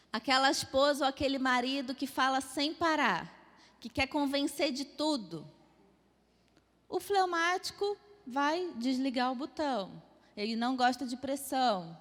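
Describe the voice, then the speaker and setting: A woman teaching a church class on temperaments, lively and acting out little dialogues as examples. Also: sits high. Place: church hall. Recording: long hall reverb.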